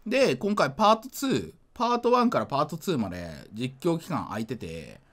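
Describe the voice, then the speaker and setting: A drunk man giving casual gameplay commentary, rambling, slightly slurred and excitable, often repeating himself. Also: a little high, a little fast. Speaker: gaming video creator.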